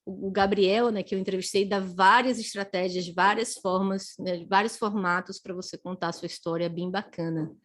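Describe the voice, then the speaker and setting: A woman hosts a live career talk in a relaxed, chatty way. She keeps checking in with a questioning "né?" and answers viewer comments as she goes, in a voice of ordinary middle pitch. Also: normal speed, hardly any pauses. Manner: chatty, tags nearly every phrase with a questioning "né?". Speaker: career speaker.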